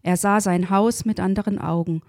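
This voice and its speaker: A woman giving a short Advent devotion and reading a Christian story aloud in a measured, gentle way. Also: mid-range voice, fairly even intonation, dry recording, studio quality. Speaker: devotional reader.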